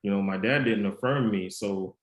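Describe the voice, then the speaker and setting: A man with a slight Haitian Creole accent, a guest author and mentor telling his story in an earnest, measured way in a podcast interview. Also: on the low side. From United States. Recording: roomy echo.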